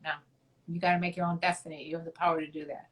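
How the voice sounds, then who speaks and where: Chicago-accented woman co-host, low, bright, blunt and jokey. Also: little pitch movement, rapid-fire. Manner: blunt, jokey, reads viewer comments aloud. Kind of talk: casual chat show banter.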